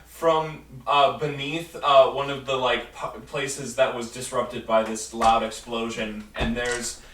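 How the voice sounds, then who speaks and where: Bright-voiced male game master, echoey room. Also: mid-range voice, flat delivery, a little hiss or hum. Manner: halting, searching for words. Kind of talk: improvised tabletop game narration. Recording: echoey room, distant mic, background music.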